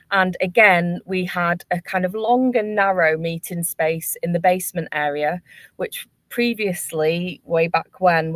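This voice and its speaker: A woman's voice: lowish voice, dry recording. A woman speaking as a panelist on a webinar, explaining things in an informative way. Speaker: workspace company panelist.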